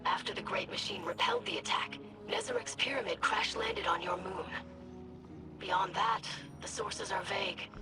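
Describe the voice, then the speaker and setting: An actress playing a young, earnest alien scribe in a video game, speaking in a formal, precise, inquisitive way. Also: female voice, medium pitch, sing-song, moderate pace, over music. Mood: studious. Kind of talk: dramatic video game acting.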